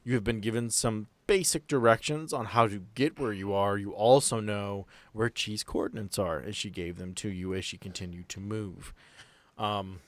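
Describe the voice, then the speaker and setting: A man narrating a tabletop game as game master, setting scenes in a conversational, halting way. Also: lowish voice, fairly bright tone, dry recording.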